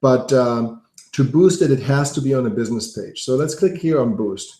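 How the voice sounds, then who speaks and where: A man with a German accent, medium pitch, ordinary pitch variation, a dark, mellow tone, a moderate pace and a somewhat breathy quality. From Germany. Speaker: real estate company founder presenting a webinar. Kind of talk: webinar tutorial. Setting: online video hangout.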